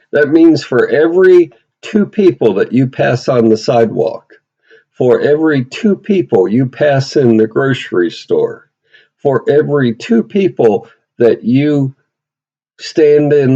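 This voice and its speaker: With a Texan accent, a man speaks at a fairly high pitch and a very slow pace, using lively intonation, very even loudness and long, frequent pauses. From Texas. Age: 60s. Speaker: fasting vlogger. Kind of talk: vlog monologue.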